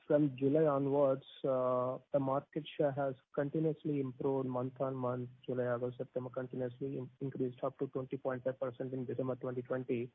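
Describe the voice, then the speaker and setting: A man's voice: medium pitch, husky. A man, a financial analyst asking polite, deferential questions on a conference call, with many fillers. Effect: conference call phone line. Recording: tinny phone line.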